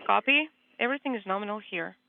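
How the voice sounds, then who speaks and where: Brief: a high-voiced man making clipped procedural calls through breaking up, tinny space radio. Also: fast, gravelly, no room sound. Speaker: crew and mission control on the radio loop. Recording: tinny narrow-band radio link.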